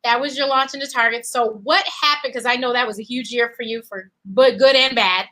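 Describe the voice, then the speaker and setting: A woman's voice: fairly high pitch, fairly even intonation, a little fast, sharp tone. A woman hosting an interview show, welcoming her guest in an enthusiastic, encouraging way. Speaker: talk show host.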